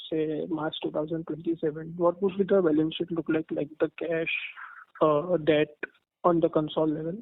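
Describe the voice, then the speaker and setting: A man's voice: fairly high pitch, flat delivery, moderate pace. A man, an analyst asking questions on an earnings call over a phone line with some noise. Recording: faintly noisy, narrow phone line.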